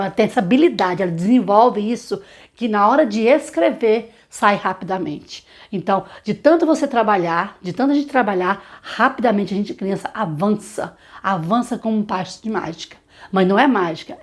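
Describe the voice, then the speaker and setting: A woman teaching a literacy lesson for teachers, often acting out phonics questions to children in an animated voice. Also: mid-range voice.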